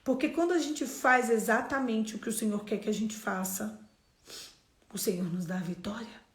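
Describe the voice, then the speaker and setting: A Brazilian woman leading a devotional, preaching with emphatic, exhortative drive and sudden loud bursts. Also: mid-range voice, moderate pace. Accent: Brazilian Portuguese. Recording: echoey room.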